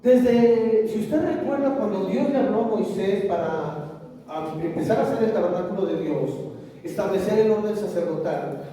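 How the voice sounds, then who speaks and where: Mexican preacher in a booming hall. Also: male voice, lively intonation, moderate pace, dark tone. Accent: Mexican Spanish. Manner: preaching with call-and-response, asking the congregation for amens. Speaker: pastor. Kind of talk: sermon. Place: church hall. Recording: echoey church hall, mic far off.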